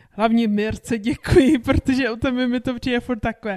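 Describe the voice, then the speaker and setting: The sound is dry and close, with no echo. A woman is speaking. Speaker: podcast co-host. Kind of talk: casual chat. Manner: speeds up when stressed.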